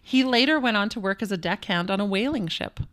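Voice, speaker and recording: A woman's voice: mid-range voice, expressive, a little fast, fairly bright tone. A woman co-hosting a podcast, chatting playfully and reading out fun facts. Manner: playful, laughs often, reads prepared fun facts. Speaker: podcast co-host. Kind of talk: casual chat.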